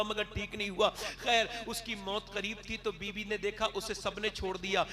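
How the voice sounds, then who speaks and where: A man preaching an impassioned Muslim sermon like a rally speech, exhorting listeners with questions and commands, swinging from hushed storytelling to loud declarations. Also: sits high.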